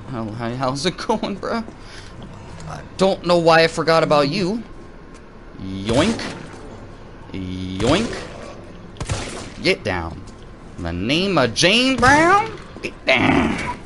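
A man giving let's play commentary, excitable and rambling, swearing and yelling at enemies between many fillers. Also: mid-range voice, background noise. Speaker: gaming video host.

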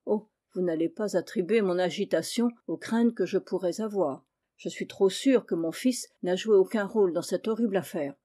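A respectable middle-aged landlady speaks with agitation, pleading her son's innocence, voiced by a woman reading an audiobook. The voice sits at a middling pitch with a soft, mellow tone. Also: moderate pace, natural voice. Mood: anxious.

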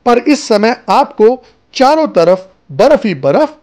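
Lively-voiced male travel narrator. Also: extremely high pitch, slow. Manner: addresses viewers as friends, guide-like. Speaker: travel vlogger. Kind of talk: scripted travel voice-over. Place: voice-over, not recorded on location. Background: faint background music.

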